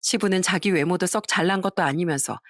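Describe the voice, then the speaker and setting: A woman's voice: lowish voice, a little fast, no echo. Female storyteller, first-person scripted narration, close mic, very dry.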